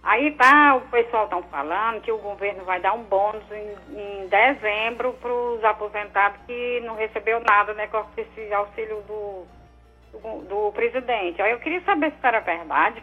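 A woman's voice: mid-range voice, normal speed, breathy edge, soft background music. A woman calling in to a radio show over the phone, asking her question hesitantly and repeating words. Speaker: radio caller. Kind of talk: casual call-in question. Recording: dull phone line into radio studio.

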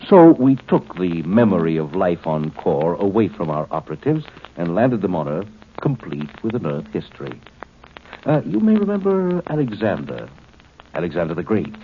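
An actor playing a coolly superior alien commander in human form, speaking formally and condescendingly in a 1950s radio drama. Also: male voice, deep voice, big pitch swings. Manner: formal, condescending, measured explanations. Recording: tinny, noisy 1950s radio recording.

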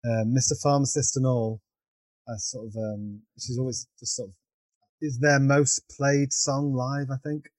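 A man's voice: medium pitch, fairly even intonation, moderate pace, darkish tone, no room sound. A man guest on a music podcast, talking hesitantly and trailing off in casual chat.

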